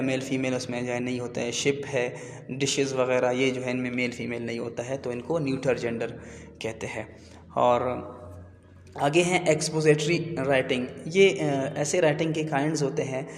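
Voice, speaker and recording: Man, english teacher, slow explanatory lesson, echoey room, long reverb. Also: medium pitch. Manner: slow, explanatory, repeats terms.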